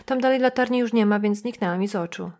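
A woman's voice: fairly high pitch, fast, a little mellow, natural voice. A woman voicing a nosy, suspicious middle-aged male motel receptionist who lectures and gossips.

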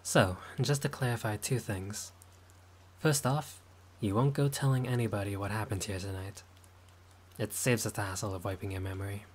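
A friendly vampire lord of a manor, as a man plays him, caring and eager to please. His voice sits a little low, polite and upbeat, now and then flustered. An audio roleplay spoken straight to the listener. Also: lightly acted. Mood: gentle.

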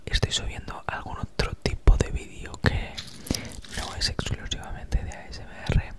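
A woman in her thirties with an accent from Spain chats casually in breathy, unvoiced ASMR whispers, very close to the mic, right in your ear, with a noticeable S sound. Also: normal speed. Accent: Spanish from Spain. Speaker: ASMR creator. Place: small home room, indoors. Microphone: handheld recorder with foam windscreen, very close.

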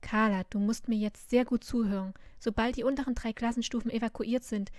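A woman reading the lines of a stern female headmistress of a magic school, giving urgent orders in a flat, dry-sounding storybook reading. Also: on the high side, brisk, no room sound, lightly acted.

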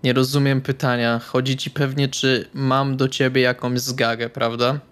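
A man playing a stone-faced, polite male vampire in tabletop roleplay, deadpan and formal. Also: mid-range voice, moderate pace, clean tone, natural voice. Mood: flat, calm.

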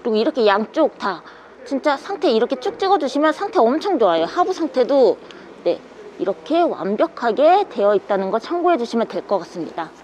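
A young woman gives a used-car sales walkaround in a high, very animated voice. Her patter is upbeat and polished, like a practised seller. She is recorded with some background noise in an indoor parking garage. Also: a little fast. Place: indoor parking garage, later inside truck cab.

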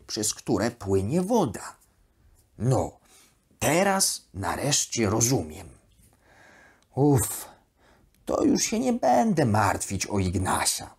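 A narrator plays a chatty, naive plush duck, a little lady of elegance telling a bedtime story for children. Her delivery is unhurried and full of lively swoops. The voice has a husky edge and a wondering, childlike manner. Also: medium pitch, full character voice. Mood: naive amazement. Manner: expressive, wondering, childlike asides.

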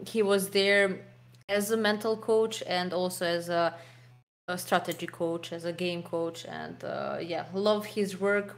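A young woman with a Serbian accent, a poker pro answering interview questions over a video call, with many fillers and restarts. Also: lowish voice. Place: home room, video call. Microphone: desk mic, webcam framing.

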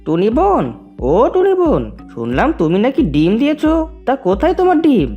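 A woman's voice: on the high side, wildly swooping pitch, moderate pace, dark tone, highs cut off, faint music behind. A woman voicing a sly, scheming cartoon fox who feigns sweet concern in a wheedling way. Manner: wheedling, falsely sympathetic. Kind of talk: children's cartoon voice acting.

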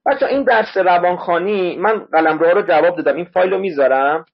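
Man teaching a literature class online, a bit husky, drills words and spellings over a muffled lo-fi mic. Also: high voice. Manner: explains word by word, repeats spellings to students. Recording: dull lo-fi online class audio.

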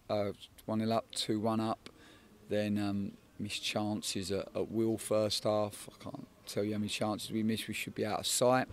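A man in his forties, a football head coach, giving a measured post-match interview outdoors at a night stadium, often repeating words as he thinks. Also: on the low side. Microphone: handheld interviewer microphone.

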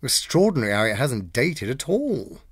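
A man's voice: mid-range voice, big pitch swings, moderate pace, breathy edge. A man with a British accent giving a scripted, dramatic reading of diary entries. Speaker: diary reader. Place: dry studio.

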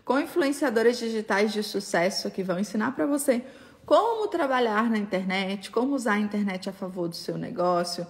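A woman's voice: medium pitch, big-room sound. A woman from Brazil hosting a live stream, welcoming viewers with upbeat enthusiasm.

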